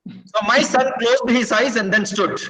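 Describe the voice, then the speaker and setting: A man's voice: extremely high pitch, measured pace, pushed and bright, poor audio. A man with a Kerala Indian English accent, a native Malayalam speaker, giving a webinar lecture over a video call. He tells rambling anecdotes and keeps checking in with his listeners. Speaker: guest speaker.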